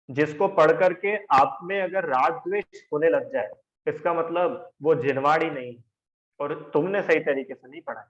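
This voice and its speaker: A male teacher giving a class lecture, arguing through rhetorical questions and answers and quizzing his students by name. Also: on the high side. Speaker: religion teacher. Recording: roomy, dull lo-fi recording.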